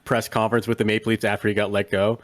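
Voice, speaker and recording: Casting: young man, lowish voice, easygoing, chuckling podcast co-host. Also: little pitch movement, fast talker. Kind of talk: casual sports chat.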